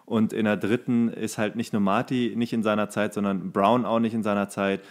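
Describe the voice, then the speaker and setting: A man's voice: on the low side, level tone. Rambling man in casual podcast chat. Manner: rambling, halting, searching for words. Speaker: podcast host.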